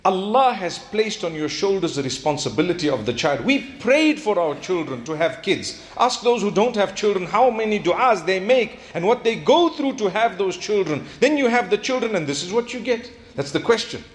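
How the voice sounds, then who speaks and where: A man preaching an Islamic sermon. He tells stories animatedly, acts out bits of dialogue and slows down to stress his key points. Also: high-pitched. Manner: animated storytelling, acting out quoted dialogue.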